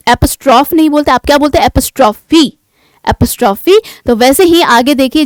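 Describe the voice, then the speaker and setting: A woman with an Indian accent teaching English vocabulary in a lecture, asking the class questions and answering them herself, reading definitions slowly and deliberately. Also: high voice, dry recording.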